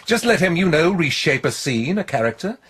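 Radio play villain: aristocratic count, very husky, swooping intonation, condescending and dangerous. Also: male voice, fairly high pitch, sing-song, a little fast, fairly bright tone, full character voice. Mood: condescending, persuasive. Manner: condescending, silkily threatening. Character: haughty, menacing aristocratic count, powerful patron and villain. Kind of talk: theatrical radio drama acting.

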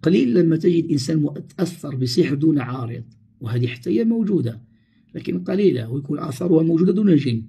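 A man's voice: medium pitch, gravelly, dark tone, slightly rough. A man with a Moroccan Arabic accent, answering viewers' questions on a live stream and reading them aloud with frequent pious phrases.

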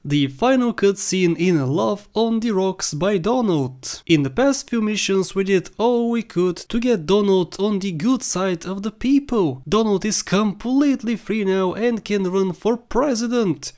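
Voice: mid-range voice, darkish tone. A video host delivering scripted commentary for a countdown.

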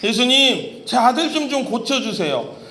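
A man voicing a desperate father who loudly begs for his son to be healed. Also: high-pitched, very animated, a little slow, reverberant, voice pushed up, full character voice. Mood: pleading. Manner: loud pleading cries. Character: desperate father begging for his son's healing.

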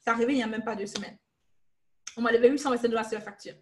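A young woman with a slightly high voice leads a Bible study, seated in her living room and speaking into a webcam. She teaches with emphasis, repeating key phrases over and over and dropping in English words as she goes. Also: steady tone, very fast, fairly bright tone, slight background noise. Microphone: webcam on a video call.

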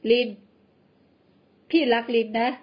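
A woman voicing a calm, steady young man who speaks plainly. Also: slow pace, dull audio, close to an everyday voice.

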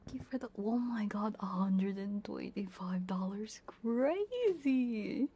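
A woman livestreamer chatting casually with viewers in a giggly, bantering way, often slipping into soft ASMR whispers. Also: mid-range voice, expressive, slow pace, breathy edge.

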